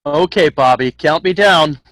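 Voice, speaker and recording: A man's voice: on the high side, a little slow, fairly bright tone, dry recording. A man acting a cocky, taunting young ski rival in a screenplay table read. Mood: cocky challenge.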